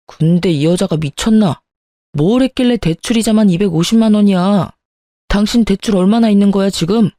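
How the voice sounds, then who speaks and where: A woman's voice: medium pitch, normal speed, no room sound, studio quality, close to an everyday voice. Woman doing a petty, hot-tempered husband. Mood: furious. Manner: sulky, accusing, turns to shouting. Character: petty, calculating young husband, quick to anger.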